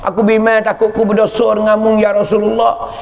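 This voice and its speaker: A man's voice: high voice, completely flat delivery, fairly quick, vocal fry, darkish tone, pitched above the performer's own voice. A man with a Pattani Malay accent voicing a dying wife who pleads tearfully in a sermon story. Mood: pleading, tearful. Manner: tearful, repeated pleading address. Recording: echoey hall, dull lo-fi sound.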